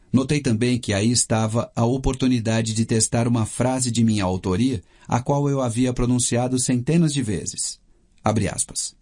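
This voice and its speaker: Mellow Brazilian man narrating an audiobook. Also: mid-range voice. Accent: Brazilian Portuguese. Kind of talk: scripted first-person audiobook narration.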